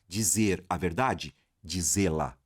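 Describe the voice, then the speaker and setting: A man with a Brazilian Portuguese accent teaching a lively exam-prep grammar lesson, talking straight to his viewers and asking himself questions. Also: low-pitched, slow, breathy edge, no echo, clean studio sound. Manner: animated, addresses viewers as "galera", asks himself questions.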